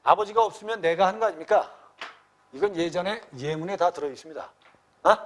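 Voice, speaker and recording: A man teaching a classical novel passage in an animated, blunt, slangy way, checking in with students often. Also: sits high, brisk. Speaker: Korean literature tutor.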